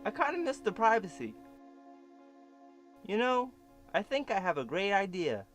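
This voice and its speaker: A man voicing a whiny, sneaky, nerdy young gamer in an animated comedy. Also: high-pitched, moderate pace. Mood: scheming. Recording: music under the voice.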